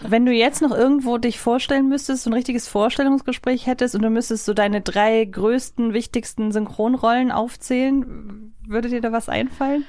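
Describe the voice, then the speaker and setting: A woman's voice: a little high, steady tone, normal speed, few pauses, darkish tone, no room sound, studio quality. A woman hosting a podcast, asking long, winding questions in a casual conversational style. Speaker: podcast host. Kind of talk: casual interview chat.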